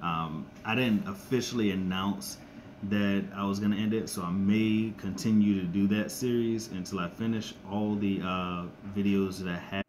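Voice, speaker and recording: A man chatting casually on his live stream, his voice raspy and monotone from a scratchy throat, talking haltingly with many ums and restarts. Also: lowish voice. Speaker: YouTuber doing a live stream. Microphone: close to the screen and device.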